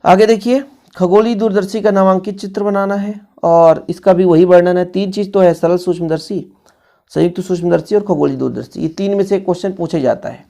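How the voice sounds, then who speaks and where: A man's voice: high-pitched, steady tone, a little fast, vocal fry, dark tone. A male physics teacher, going over exam revision questions in a casual, brotherly tone and talking straight to his students.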